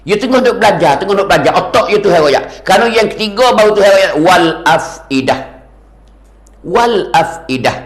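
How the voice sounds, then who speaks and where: A man preaches in a sermon lecture, his voice fairly high and constantly swinging up and down for emphasis. He repeats phrases over and over as he teaches. The recording has a roomy echo around him. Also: fast talker, few pauses. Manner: animated, repetitive, rising and falling emphasis. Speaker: religious teacher.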